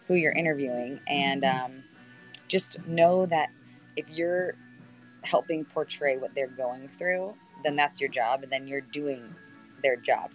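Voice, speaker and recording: Woman, 30s, deep voice, sideline reporter, video call, chatty with fillers, faint music behind. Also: rough recording. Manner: conversational, lots of fillers and restarts. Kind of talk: answering student questions on a call.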